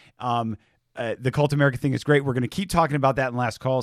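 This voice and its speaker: Racing along at a very fast pace, a man speaks at medium pitch with ordinary pitch variation. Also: dry, close sound with no echo. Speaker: podcast host. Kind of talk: casual chat. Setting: video call. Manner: animated.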